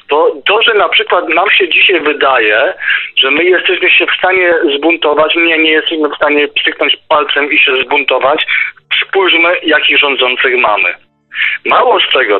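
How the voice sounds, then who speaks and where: Blunt man on a tinny phone line. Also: a little high. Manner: blunt, emphatic, repeats words. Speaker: talk show participant. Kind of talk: heated informal radio discussion. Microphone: remote call.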